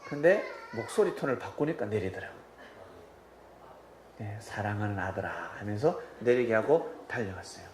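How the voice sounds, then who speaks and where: Animated pastor preaching in an echoing church. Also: male voice, mid-range voice, normal speed, pauses often, a little hiss or hum. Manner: animated storytelling, acts out quoted voices. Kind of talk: sermon. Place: church sanctuary. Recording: roomy hall with faint ambience.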